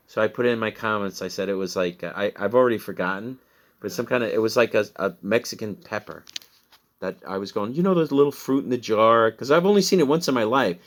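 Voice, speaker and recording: A man with a Midwestern American accent, chatting casually in a rambling way about items he resold. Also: mid-range voice. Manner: rambling, chatty, laughs at himself. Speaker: online reseller. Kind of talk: casual sales recap chat.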